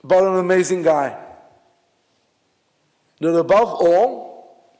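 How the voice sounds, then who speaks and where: Slow Israeli man in a reverberant hall. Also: high-pitched, animated, a little mellow. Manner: halting, reflective, many fillers and restarts. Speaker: officiant at a memorial service. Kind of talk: memorial eulogy.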